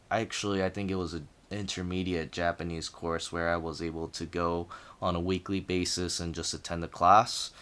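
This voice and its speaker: Very deep-voiced man, clear and smooth. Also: fairly bright tone. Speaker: language learner sharing progress. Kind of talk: casual reflective talk to camera.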